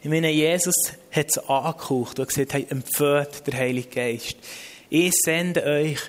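A man's voice: mid-range voice, steady tone, moderate pace. A man with a Swiss German accent preaching and praying in an informal, earnest, exhorting way with repeated phrases. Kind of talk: sermon with spoken prayer. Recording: long hall reverb.

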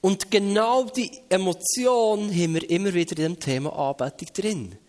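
A man with a Swiss German accent preaching a lively sermon, telling a Bible story and acting out the crowds and bystanders with animated flair. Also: high voice, normal speed.

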